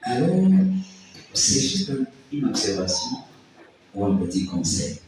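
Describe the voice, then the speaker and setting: A man examining a thesis, asking probing questions and then giving animated, preachy advice. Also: fairly low pitch, measured pace, faint music behind. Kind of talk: questioning and advising at a thesis defense. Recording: echoey hall, distant mic, faint noise.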